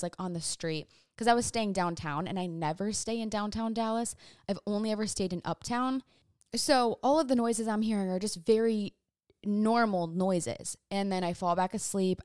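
A woman's voice: mid-range voice, a little mellow, smooth, no room sound, clean studio sound. A young woman in her twenties telling a long, rambling storytime to camera in casual chat, sidetracking often. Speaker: vlogger. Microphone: phone or camera on a stand.

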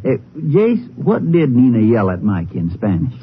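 An American actor playing a practical, plain-spoken small-town Texas sheriff in a radio drama. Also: male voice, mid-range voice, wildly swooping pitch, moderate pace, slightly rough, heavily acted. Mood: matter-of-fact. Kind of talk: old-time radio drama acting. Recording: tinny, noisy 1950s radio recording.

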